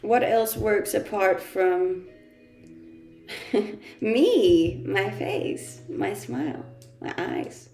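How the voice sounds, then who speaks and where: Chatty woman streamer, gravelly, echoey room. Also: medium pitch, extremely slow, pauses often, a little mellow. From Denmark. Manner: laughs often, chatty and self-amused. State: blocked nose from blowing it a lot. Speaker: livestreamer reading chat. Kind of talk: casual morning livestream chat. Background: faint music.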